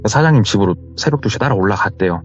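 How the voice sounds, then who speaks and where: A man's voice: lowish voice, animated, fast talker. A man telling a story in a chatty, casual way, relaying what he heard, over muffled sound with faint music. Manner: chatty retelling of hearsay. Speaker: horror story narrator.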